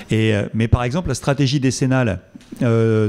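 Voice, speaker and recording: Here a man talks at a fairly slow pace. His pitch is medium, with ordinary variation. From Toulouse, southern France. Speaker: epidemiologist, researcher. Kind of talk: Q&A after conference talk. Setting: conference hall with audience. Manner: hesitant, repeats words.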